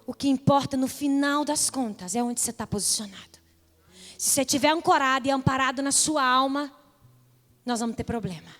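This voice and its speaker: A young woman pastor preaches with fervor, her high voice building through repeated calls. Her voice carries a long reverb from a church hall. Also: brisk. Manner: impassioned preaching, rising to loud repeated calls. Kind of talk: sermon.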